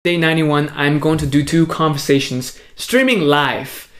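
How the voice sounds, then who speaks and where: A man's voice: a little high, moderate pace. A man in his thirties, born in Hong Kong and raised in California, giving an upbeat, casual video update to camera. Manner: upbeat and energetic, punchy emphasis on key words. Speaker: vlogger on a language challenge.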